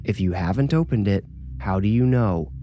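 A man's voice: on the low side, lively intonation, normal speed, mellow, soft background music, close to an everyday voice. A man voicing a busy, rational grown son in audiobook dialogue, firm and exasperated. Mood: patient, reasoning. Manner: firm, dismissive, questioning.

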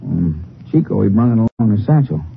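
A man's voice: lowish voice, big pitch swings, quick pace, creaky, breathy edge, heavily acted. A man playing a sick, gossipy country fellow in 1950s radio drama, faint and folksy, using rustic slang. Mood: weak, ailing. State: ailing, faint. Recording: dull old radio recording, faint noise.

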